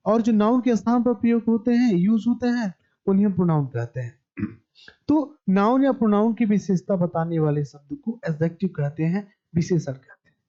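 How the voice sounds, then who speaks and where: A man teaching a basic grammar lesson, slowly repeating terms and asking questions that he then answers himself. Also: high-pitched, mellow. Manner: slow, repetitive, asks and answers his own questions. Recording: dull lo-fi recording.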